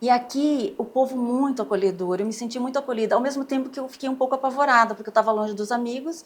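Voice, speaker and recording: Delivered at a very fast pace, the speech carries a strong gaúcho accent and ordinary pitch variation. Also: woman. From southern Brazil, Rio Grande do Sul interior. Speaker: judge. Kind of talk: oral history interview.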